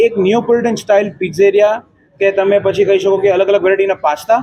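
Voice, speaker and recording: Noticeable background noise sits under speech that has fairly even intonation. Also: man. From Mumbai, India. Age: 20s. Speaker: restaurant owner, software engineer. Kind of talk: interview talk promoting his restaurant.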